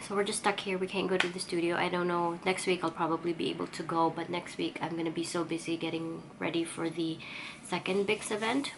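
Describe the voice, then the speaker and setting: A woman's voice: fairly low pitch, gravelly, slight background noise, rough recording. A woman vlogger with a congested, sniffly voice, giving a casual, rambling, self-effacing update on her day. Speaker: vlogger and artist. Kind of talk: casual chatty vlog update.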